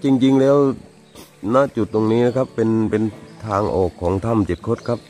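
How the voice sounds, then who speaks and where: A man's voice: fairly low pitch, normal speed, dark tone, faint music behind. A man working as a local guide, explaining the cave to a visitor outdoors in a hesitant way, with many fillers and agreeable replies. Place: outdoors at a cave mouth by a stream.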